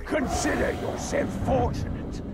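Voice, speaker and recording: A man playing an aggressive orc warlord in a video game, harsh, gravelly and theatrical. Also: a little slow, natural voice. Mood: grim menace. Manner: shouting, theatrical. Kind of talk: video game villain acting. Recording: loud music behind the voice.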